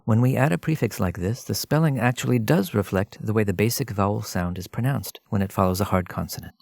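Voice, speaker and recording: A man narrating a scripted language lesson as a teacher, explaining in a measured way and addressing the listener directly. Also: fairly low pitch, vocal fry, darkish tone, no room sound, clean studio sound.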